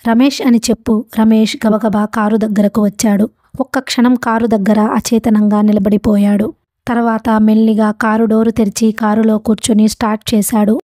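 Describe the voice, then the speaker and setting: Woman, audiobook narration, steady reading, mellow tone, dry. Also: a little high, no room sound. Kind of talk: scripted novel narration.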